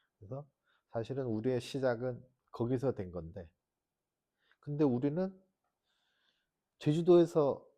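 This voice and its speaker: At a fairly slow pace, a man with a medium pitch and a dark, mellow tone speaks with lively intonation, big swings in loudness, and long, frequent pauses. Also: quiet background. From Jeju Island, South Korea. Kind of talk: unscripted casual monologue.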